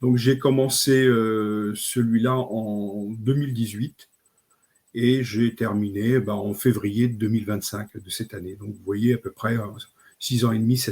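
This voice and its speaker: The speaker talks at a very slow pace in a flat, monotone delivery. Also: man, medium pitch for a man. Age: 60s. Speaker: genealogist and author. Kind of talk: interview. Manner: halting, many hesitations.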